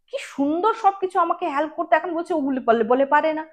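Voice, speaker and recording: A woman's voice: high voice, expressive, brisk. A woman telling a ghost story informally as a podcast storyteller, addressing listeners directly and mixing in English words.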